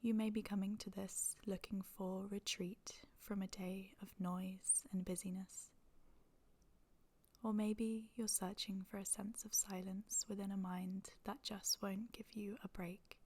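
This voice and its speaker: A woman guides a relaxation practice in a hushed, breathy voice. Her intonation stays level and barely moves. She is gentle and soothing, leaving long pauses between short phrases. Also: mid-range voice, flat delivery. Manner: soft, breathy, near-whispered delivery. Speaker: yoga nidra meditation guide. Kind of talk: guided meditation.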